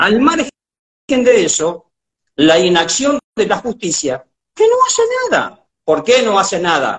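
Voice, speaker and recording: Very slowly, a man speaks at a high pitch with very wide pitch swings. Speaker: activist group mentor. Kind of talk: interview. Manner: blunt, rough way of speaking.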